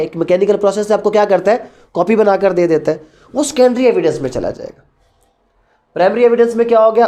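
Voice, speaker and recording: Mellow-voiced Pakistani woman teaching. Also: mid-range voice. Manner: didactic, asks questions then answers them; switches between Urdu and English terms. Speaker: law teacher. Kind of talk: lecture explaining law with questions and answers.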